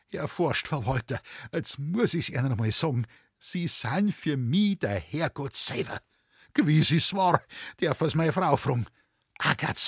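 A man voicing a loud, loyal old forest warden who speaks in rough dialect. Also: a little high, no room sound, studio quality, voice pushed up, full character voice.

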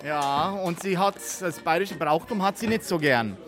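Middle-aged man from New York, relaxed interviewee, higher voice, music behind. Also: moderate pace. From United States, New York. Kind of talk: casual interview talk.

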